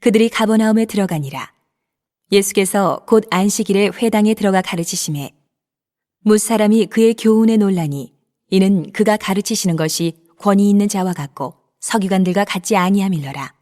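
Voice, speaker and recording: A woman narrating a dramatized scripture reading in a measured, even manner. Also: mid-range voice. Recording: long reverb.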